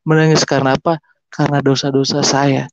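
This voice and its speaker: A man giving an emotional testimony, telling his story in an animated way and acting out voices and gestures. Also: medium pitch, fairly quick, no room sound, dull audio.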